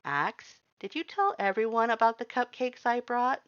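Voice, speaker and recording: A woman's voice: a little high, lively intonation, moderate pace, fairly bright tone, clear, resonant tone, highs cut off, voice pushed up. A woman voicing a friendly, teasing, generous human houseguest in a story, in a plain, earnest conversational way. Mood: scolding.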